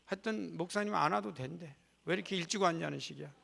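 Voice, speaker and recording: A middle-aged male preacher tells stories from the pulpit in a chatty, joking way. His voice is strongly gravelly and sits a little high. The sound rings out with a long reverb in the church sanctuary. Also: fast talker, fairly bright tone. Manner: folksy, humorous and conversational. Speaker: guest preacher at a revival meeting. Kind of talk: storytelling sermon.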